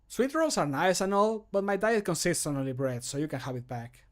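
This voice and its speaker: A man voicing a polite but dismissive video game character, measured, starting sing-song and falling away. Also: on the high side, animated, lightly acted. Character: game character politely turning down a sweet roll. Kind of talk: video game voice line acting.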